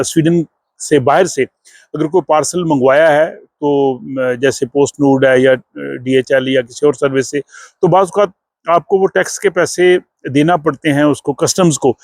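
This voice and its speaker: A man speaks in a somewhat high voice, recorded very dry with no room sound. He presents news to his vlog viewers in an explanatory way, often pausing on fillers as he goes. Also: darkish tone, no echo. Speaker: vlog host.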